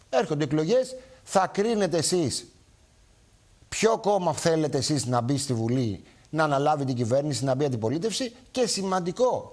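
A man's voice: on the high side, a little mellow. Emphatic male TV talk show host. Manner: emphatic, repeats phrases, speaks straight to viewers. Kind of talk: live television talk monologue.

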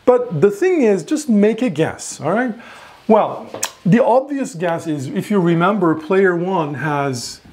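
A man's voice: sits high, expressive, takes it slowly, a little mellow, slight background noise. Man lecturing at a whiteboard. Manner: explanatory, repeats words while thinking, frequent "all right?" checks. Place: classroom in front of a whiteboard.

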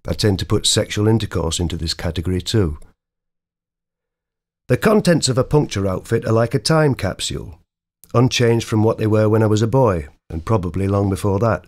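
A man's voice: lowish voice, lively intonation, moderate pace, darkish tone. A man who works as a voice-over actor, reading scripted ads, verse and prose in a polished, theatrical way. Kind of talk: voice-over demo reel of ads, poems and dramatic readings.

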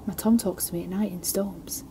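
An actress playing an injured, desperate research scientist with a blunt, sharp tongue and urgent manner in an audio drama. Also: female voice, on the low side, fairly even intonation, moderate pace, creaky, slight background noise. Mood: hushed, haunted.

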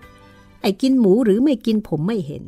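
A hoarse woman voicing an earnest, polite young male house servant in a horror novel read-aloud. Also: on the high side, expressive, normal speed, mellow, dry recording, soft background music, pitched above the performer's own voice. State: hoarse from a cold.

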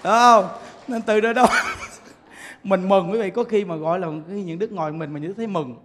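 A man gives a Buddhist sermon in a very high voice. He tells stories in an animated way and keeps breaking into laughter. Long reverb from a large hall trails after his words. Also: normal speed, background noise. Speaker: Buddhist preacher.

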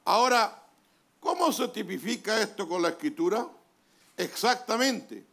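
Chilean male pastor, fairly high gravelly voice, unhurried sermon delivery with amens. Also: expressive, a bit bright. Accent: Chilean Spanish. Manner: deliberate preaching with pauses, calls of amen. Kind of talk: sermon reading from a translated message. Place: church hall.

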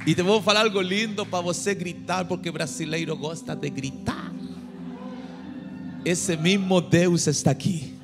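A middle-aged Chilean man preaches on a large church stage with a handheld mic, his Spanish accent showing as he jokes and rallies the crowd. His voice sits a little high. A long hall reverb trails his words, and clear music plays underneath. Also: a little slow. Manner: humorous, mixes Spanish into Portuguese, rouses the crowd to shout. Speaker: guest pastor. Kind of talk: sermon.

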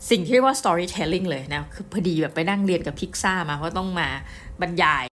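A middle-aged woman giving a casual book review, chatty and excitable, often speaking straight to her viewers. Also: lowish voice, fairly quick, a little hiss or hum. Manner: chatty, addresses viewers directly, excitable storytelling.

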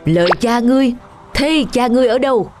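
A woman's voice: on the high side, expressive, fairly quick, a little mellow, soft background music, close to an everyday voice. A woman voicing a stern, commanding tribal king in a cartoon folktale, speaking in an imperious, declamatory way. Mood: authoritative, questioning.

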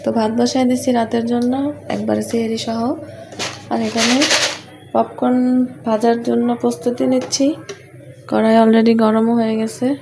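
Chatty gravelly-voiced woman with a Gazipur accent. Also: on the high side, level tone, normal speed, long pauses, noisy background. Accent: Gazipur Bangla. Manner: chatty, explains each dish to viewers. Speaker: mother and home cooking vlogger. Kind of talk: casual home vlog narration. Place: home kitchen.

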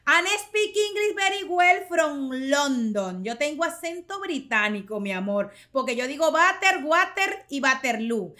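A lively woman in her forties, high-pitched and bright, spins a casual story into a studio mic. She laughs often and talks with her hands the whole time. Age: 40s. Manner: animated, laughing, gesturing with both hands. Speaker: podcast host. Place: small studio with purple backdrop. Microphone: studio microphone with headphones.

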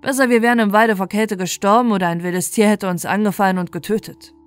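A woman's voice: mid-range voice, fairly even intonation, fast, no echo, lightly acted. A woman as a bitter, weary poor woodcutter. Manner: lamenting. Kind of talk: fairy tale storybook reading. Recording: music bed behind the voice.

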